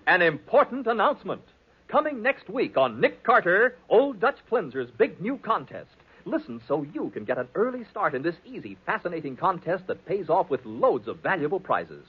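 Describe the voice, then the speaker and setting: Polished male radio announcer, lively and emphatic, slightly husky, on a narrow-band vintage broadcast. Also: high voice, moderate pace. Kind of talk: 1940s radio narration and sponsor announcements. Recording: tinny, hazy 1940s radio recording.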